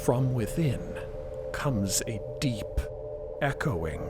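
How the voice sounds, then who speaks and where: A man narrates a story with deliberate, dramatic phrasing. His pace is slow and his mid-pitched voice moves freely up and down, over loud music. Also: expressive.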